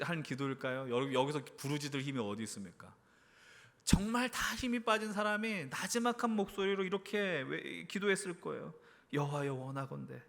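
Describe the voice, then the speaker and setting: A male preacher giving an earnest sermon to a church youth service. He asks the congregation question after question and moves between hushed low phrases and raised emphatic ones. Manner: earnest, addresses the congregation with frequent rhetorical questions. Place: church sanctuary. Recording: reverberant hall.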